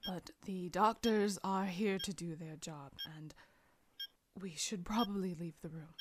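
A grieving mother speaks softly and haltingly, her words slow and broken, played by an actress. There is clear noise behind her. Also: lowish voice, close to an everyday voice. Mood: hushed. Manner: quiet, halting, hushed.

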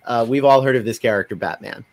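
A man's voice: mid-range voice, fast, no echo. Male co-host for casual podcast chat. Mid-range voice, discursive delivery, very little room sound.

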